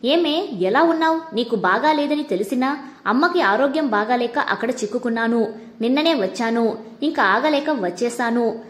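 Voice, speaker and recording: A woman's voice: a little high, animated, normal speed, close to an everyday voice. A woman voicing a caring, blunt close friend in a read-aloud story, speaking frankly and probingly. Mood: emotional.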